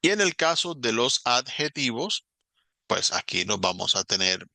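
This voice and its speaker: Bright-voiced man teaching grammar. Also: medium pitch, very animated, a little slow, vocal fry, dry recording. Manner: patient, explanatory, step-by-step. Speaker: English teacher. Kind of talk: recorded online lesson.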